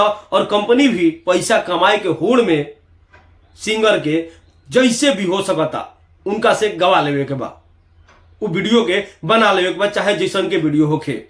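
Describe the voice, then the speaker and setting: Male online commentator, high voice, Bihari Bhojpuri accent, emphatic and rhetorical, roomy echo. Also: fairly bright tone. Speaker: YouTube commentator. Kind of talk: opinionated video commentary to viewers.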